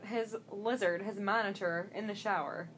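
Woman co-host, mid-pitched, quick interjections, light background noise. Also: steady tone, fairly bright tone. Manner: short agreeing replies and quick asides. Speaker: podcast co-host. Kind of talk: casual movie discussion.

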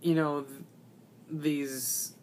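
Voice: mid-range voice, flat delivery, very slow, a little mellow, a little hiss or hum. Rambling podcaster saying "like" constantly. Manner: rambling, heavy use of "like", many restarts. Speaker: podcast co-host. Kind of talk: casual movie discussion.

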